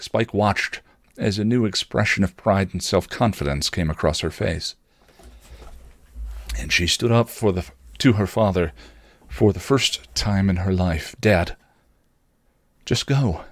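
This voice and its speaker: A man's voice: sits low, no room sound, clean studio sound. A man narrating a scripted story expressively, as a reader of fan fiction.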